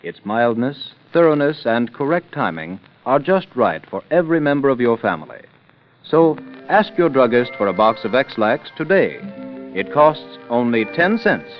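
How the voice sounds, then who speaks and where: A male radio announcer giving a scripted commercial in a smooth, persuasive delivery. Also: medium pitch, very animated, moderate pace. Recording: dull lo-fi old radio transcription with soft music.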